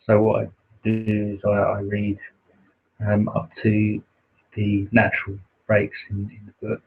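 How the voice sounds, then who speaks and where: A soft-spoken man with a naturally quiet voice, hosting a livestream and slowly reading a spiritual text, with many pauses and fillers. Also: on the low side, monotone, a little hiss or hum. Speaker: livestream host reading aloud. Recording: dull lo-fi livestream audio.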